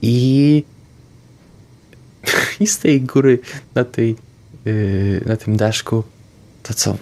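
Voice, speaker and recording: A man, a player in a tabletop roleplaying game, haltingly narrating his own moves. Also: mid-range voice, a little mellow.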